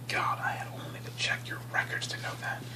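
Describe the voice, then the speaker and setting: Someone whispers, soft-spoken, at a moderate pace with noticeable background noise. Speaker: ASMR reader. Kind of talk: whispered audiobook reading of a novel chapter. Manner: whispered, soft.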